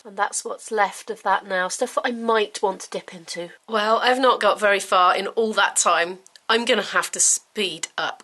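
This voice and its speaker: Sorting through her belongings at home, a middle-aged woman who lives in Wales and speaks English as her first language chats casually for her vlog. Her mid-range voice has a sharp tone; she pokes fun at herself, stays wry, and drifts into little sung notes.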